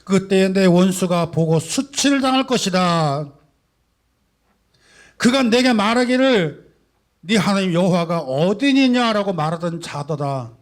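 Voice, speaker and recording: A male pastor preaching a sermon, asking rhetorical questions and swinging between soft and loud emphasis. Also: high-pitched, expressive, a little slow. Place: church sanctuary.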